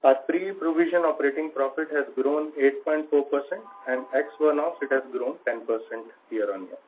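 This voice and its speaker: A man's voice: a little high, brisk. Indian man on a noisy phone line. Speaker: chief financial officer. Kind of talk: scripted financial report.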